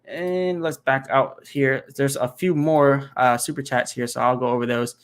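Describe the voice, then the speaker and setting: Man, livestream host, rambling, casual, thinks out loud, lots of fillers. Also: mid-range voice, fairly even intonation, moderate pace. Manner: rambling, thinks aloud while doing math, many fillers. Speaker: crypto channel host. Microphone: home computer setup, single monitor.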